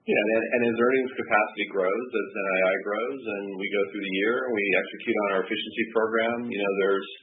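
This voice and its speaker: A man, a finance executive, answering questions on an earnings call in a brisk way that restarts phrases. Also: on the low side, steady tone, a little hiss or hum. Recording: tinny phone line.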